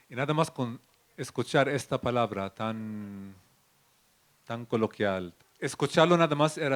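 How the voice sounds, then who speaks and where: With an Arabic accent, a man speaks at a fairly slow pace. His intonation is lively. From Palestine. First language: Arabic (speaking Spanish). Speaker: translator. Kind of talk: panel discussion.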